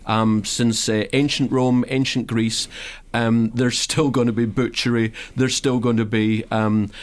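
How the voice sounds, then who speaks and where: A man with a Scottish accent speaks as a guest in a radio studio. He talks at a middle pitch, stopping often with ums and repeated starts as he thinks aloud. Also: little pitch movement, a little slow. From Scotland. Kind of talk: casual radio discussion.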